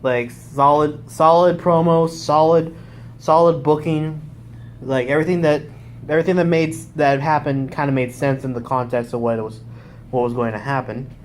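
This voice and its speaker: At a moderate pace, a young man with a fairly high voice casually goes over a wrestling show live, with a little hiss or hum on the recording. He rambles, gets excited, and corrects himself along the way.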